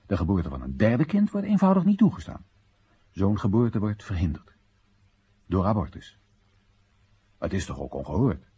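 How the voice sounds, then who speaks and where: Earnest young man, very husky. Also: deep voice, big pitch swings, normal speed, pauses often, mellow, full character voice. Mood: emphatic, stern. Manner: earnest, explanatory, emphatic. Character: earnest young Chinese man, dutiful and wistful. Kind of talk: radio play monologue.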